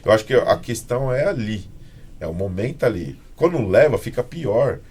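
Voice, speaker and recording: A man's voice: mid-range voice, normal speed, slightly rough. A man from Brazil hosting a podcast, telling stories about his daughter in casual chat and acting out the kids' voices. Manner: animated storytelling, mimics his daughter and kids. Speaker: podcast host.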